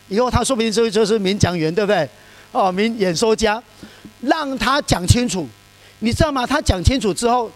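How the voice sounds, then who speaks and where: A man with a high voice preaches to his congregation in an easy, conversational way. He keeps asking the listeners questions and fills his pauses with short sounds. A faint electrical hum sits under the recording. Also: low-quality recording. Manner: conversational preaching with frequent fillers and rhetorical questions. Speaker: pastor. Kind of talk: sermon.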